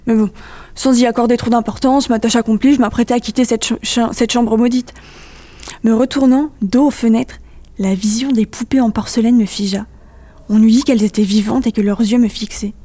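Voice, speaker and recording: A woman reading aloud her own eerie first-person story, with measured storytelling. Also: a little high, fairly even intonation, warm tone.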